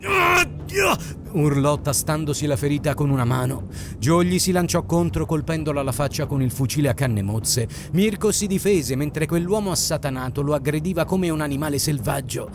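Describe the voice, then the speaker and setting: A man reading an audiobook in a dramatic, expressive way. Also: on the high side, brisk, hardly any pauses, background noise. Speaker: audiobook narrator. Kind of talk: scripted narration. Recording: narration over loud music.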